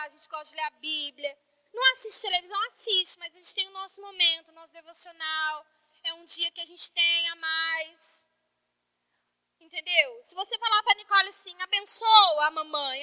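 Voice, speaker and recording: A woman's voice: very high voice, bright, forceful tone, no room sound. A woman pastor in her thirties from Brazil, preaching a sermon in a conversational, emotional way.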